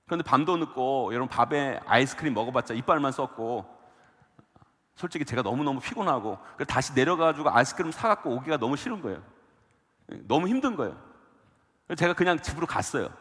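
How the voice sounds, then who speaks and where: A man's voice: mid-range voice, lively intonation, fast talker, fairly bright tone. A male guest pastor preaching a sermon, telling a personal story and asking the congregation rhetorical questions. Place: church sanctuary. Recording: long church hall reverb.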